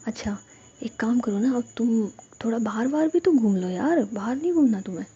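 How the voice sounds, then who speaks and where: A woman's voice: a little high, lively intonation, fairly quick, mellow, slightly rough, lo-fi sound. A woman voicing a bossy young girlfriend who scolds and repeats herself.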